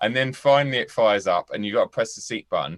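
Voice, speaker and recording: Recorded dry and close with no echo, a man speaks at a very fast pace. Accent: London. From London, England. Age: 40s. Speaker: car YouTuber. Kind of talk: casual chat. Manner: animated.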